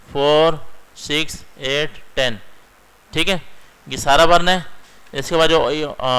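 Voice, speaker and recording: A young man with a higher-leaning voice, pushed, bright and clean in tone, teaches a screen-recorded computer lesson over a rough recording. As the computer instructor, he explains things one step at a time and keeps checking on his students with "theek hai".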